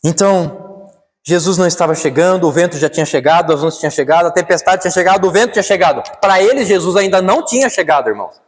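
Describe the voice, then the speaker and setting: A man with a Brazilian Portuguese accent preaching a sermon, dropping to slow, hushed lines and then climbing high and urgent. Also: lively intonation, long reverb tail.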